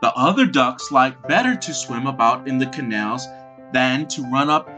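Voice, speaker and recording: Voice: mid-range voice, expressive, moderate pace, bright, forceful tone, soft background music. A storyteller reading a scripted fairy tale aloud as narration.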